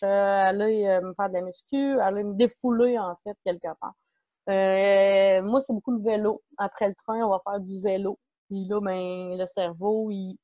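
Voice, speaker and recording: A woman's voice: a little high, darkish tone, dry recording. A woman with a Québécois French accent giving a casual online workshop as a farm support worker, chatty and informal with many fillers.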